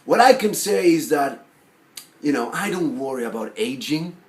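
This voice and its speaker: A man performing a monologue as a neurotic, self-deprecating, lovelorn forty-year-old who rambles haltingly. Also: a little high, animated, close to an everyday voice. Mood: loud, nervy. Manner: halting, rambling, full of fillers and restarts. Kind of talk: dramatic film monologue acting. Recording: roomy echo with faint background noise.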